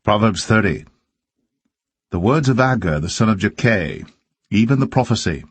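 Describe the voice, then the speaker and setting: A man giving a solemn, measured reading of old-fashioned Bible verse as a scripture reader. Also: on the low side, expressive, slightly rough. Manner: measured, deliberate phrasing.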